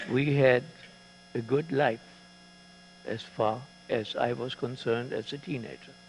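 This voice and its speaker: Speaking fairly slowly with a German accent, a man at a medium pitch keeps a fairly even intonation and leaves long, frequent pauses. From Germany, Berlin. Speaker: war veteran. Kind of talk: interview.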